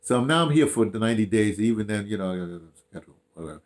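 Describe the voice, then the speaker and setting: An older man with an American accent chats casually, telling stories in an animated, rambling way with repeated phrases and slangy asides. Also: lowish voice, quick pace. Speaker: interviewee, audio dramatist. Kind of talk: casual chat, storytelling. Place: small room indoors, seated.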